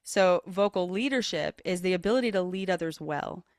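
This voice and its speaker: A woman who coaches vocal leadership appears as a podcast guest, speaking at normal speed with an earnest, motivational tone. She's expressive and demonstrates playful voices with big pitch jumps. The recording is dry and studio quality.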